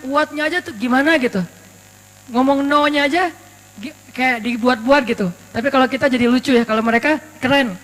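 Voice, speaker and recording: High-voiced man preaching with hall reverb. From Aceh, Indonesia. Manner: lively storytelling with humor and Arabic quotes. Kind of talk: casual Islamic sermon. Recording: long reverb with mains hum.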